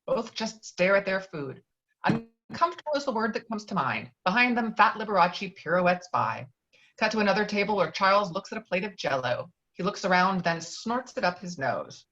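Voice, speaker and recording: A woman's voice: mid-range voice, big pitch swings, moderate pace, fairly bright tone. A woman narrating stage directions from a screenplay in a table read. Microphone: virtual table read over video call. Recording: dull lo-fi video call audio.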